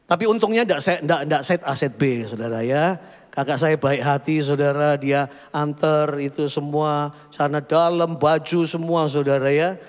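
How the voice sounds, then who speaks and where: A man's voice: on the high side, a little slow. A middle-aged male pastor, telling stories animatedly in a sermon. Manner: animated storytelling, often calling the congregation "saudara". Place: church hall. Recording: long hall reverb.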